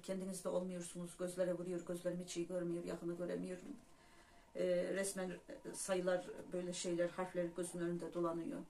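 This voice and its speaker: A woman hosting her own spiritual vlog, talking in an unhurried, personal way and pausing on fillers as she speaks to her viewers as friends. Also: fairly low pitch, gravelly, darkish tone. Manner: hesitant fillers between phrases. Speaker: YouTube channel host. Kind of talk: casual spiritual vlog monologue. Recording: distant mic with faint background noise.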